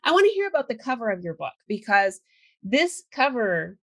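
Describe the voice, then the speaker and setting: A woman's voice: fairly high pitch, very animated, moderate pace, fairly bright tone. An American woman from California hosting an interview over a video call, chatty and upbeat with frequent laughter. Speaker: podcast host. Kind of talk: casual interview chat.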